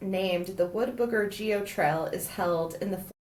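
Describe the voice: The clip is plain reading aloud. Its pitch variation is ordinary.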